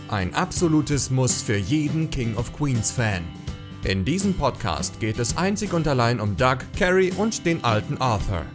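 A man reading a scripted, upbeat welcome to a podcast as its announcer. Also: mid-range voice. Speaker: show announcer. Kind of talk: scripted show intro. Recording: guitar music underneath. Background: guitar music.

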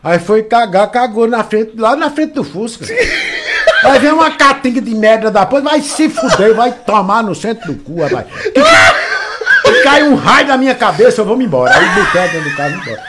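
A man spins bawdy tales as a podcast guest, putting on the voices of everyone in them. His voice sits a little high and leaps up and down. He talks with boisterous, crude gusto. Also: sing-song, moderate pace, very noisy. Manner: crude, boisterous, acts out dialogue. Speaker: guest storyteller. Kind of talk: casual podcast storytelling.

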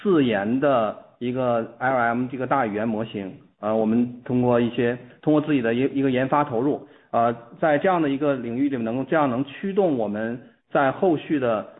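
Guy exec on earnings call, halting, keeps restarting phrases, tinny phone sound. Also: mid-range voice. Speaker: company executive answering analyst questions. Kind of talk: unscripted earnings call answer. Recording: muffled narrowband phone line.

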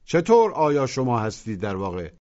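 A man's voice: mid-range voice, huge pitch swings, warm tone. A man teaching a language lesson, patiently prompting listeners to repeat after him. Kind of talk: instructional narration. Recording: muffled lo-fi audio.

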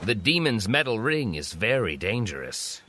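Lady putting on a lowered, bright earnest fire god, formal and lively. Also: normal speed, full character voice. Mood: grave.

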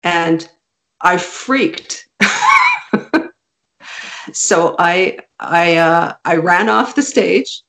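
A woman's voice: on the low side, wildly swooping pitch, drawn-out words, long pauses, bright, forceful tone. A middle-aged woman author from Canada, a native Hungarian speaker, chatting in an interview and laughing often. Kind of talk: casual interview chat.

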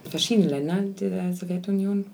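Chatty woman podcast co-host, lowish voice. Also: fairly quick, vocal fry, warm tone. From Kazakhstan. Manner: chatty, laughs often, many fillers. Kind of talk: casual podcast chat.

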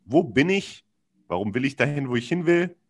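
Brief: adult man, reflective chat, halting delivery full of fillers, candid and earnest. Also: medium pitch, very animated, husky. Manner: searching, halting, with many fillers and restarts; earnest and frank, with blunt slang. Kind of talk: reflective podcast conversation.

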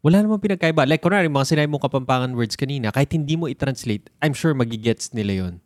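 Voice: mid-range voice, lively intonation, fast, no echo, clean studio sound. A co-host explaining ideas patiently in a casual chat, mixing Tagalog with English.

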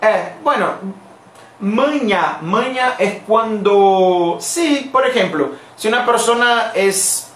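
A woman's voice: mid-range voice, lively intonation, slow, reverberant. A woman teaching Portuguese pronunciation in a live online lesson, explaining patiently and repeating the model words. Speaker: Portuguese teacher for Spanish speakers.

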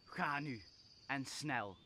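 A man's voice: mid-range voice, drawn-out words, bright, forceful tone, slight background noise. A man playing a cruel, commanding master who barks orders at his slave in an audio drama. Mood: angry, threatening. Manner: barking, imperious. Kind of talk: Dutch audio drama acting of Shakespeare.

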